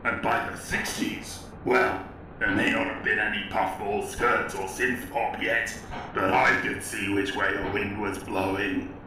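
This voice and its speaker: A man's voice: fairly low pitch, flat delivery, a little slow, pushed and bright. An actor playing a bitter, pompous older writer, narrating his own story in a scornful way in an audio drama. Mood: wry, regretful. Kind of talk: dramatic first-person narration. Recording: very echoey, distant from mic, faint noise.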